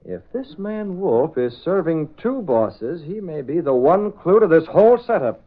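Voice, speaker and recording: A commanding hero on old radio. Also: male voice, on the high side, sing-song. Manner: measured and authoritative. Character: calm, commanding male publisher-hero. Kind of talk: 1930s radio drama acting. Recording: scratchy narrow 1930s radio transcription.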